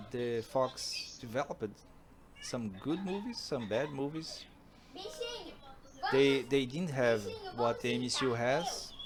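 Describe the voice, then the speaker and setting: A man with a Brazilian Portuguese accent, fairly high pitch and lively intonation, very slow with long, frequent pauses, against noticeable background noise. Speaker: pop culture commentator. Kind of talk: video commentary. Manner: halting.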